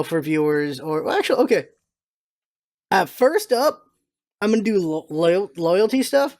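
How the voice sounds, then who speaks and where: High-pitched man in casual vlog chat. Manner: informal, thinking aloud, meandering. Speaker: video creator and streamer, channel host. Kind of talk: casual channel update, rambling chat.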